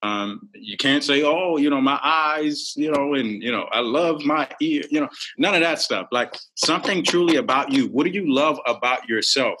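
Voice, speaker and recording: A man guest telling motivational stories in an energetic, animated way with frequent ums. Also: medium pitch, moderate pace, few pauses, slightly rough, poor audio. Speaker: guest author. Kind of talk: motivational storytelling.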